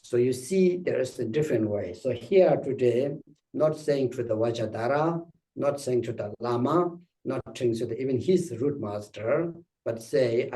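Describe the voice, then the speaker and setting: A man giving a Buddhist teaching, halting and searching for words as he explains. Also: mid-range voice, warm tone. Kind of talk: dharma teaching. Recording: distant from the mic.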